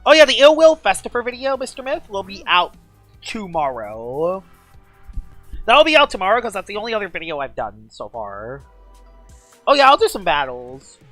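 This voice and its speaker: Woman streamer, gushing and chatty; animated delivery, dry close sound. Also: mid-range voice, moderate pace, no echo, faint music behind. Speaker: game streamer. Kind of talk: casual live-stream chat.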